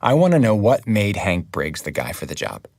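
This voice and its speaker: Low-voiced true-crime podcast narrator. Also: male voice, wildly swooping pitch, moderate pace, darkish tone. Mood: earnest, intrigued. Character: earnest, driven male investigative true-crime podcast host. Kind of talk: scripted narration. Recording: music under the voice.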